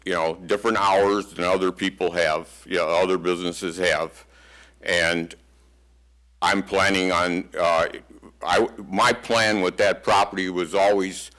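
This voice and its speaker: Deep, big-voiced male resident at a hearing podium; plain, halting delivery. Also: a bit bright. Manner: halting, plainspoken, many fillers. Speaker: resident speaking at public hearing. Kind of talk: public comment at a meeting. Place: township meeting hall. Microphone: podium microphone.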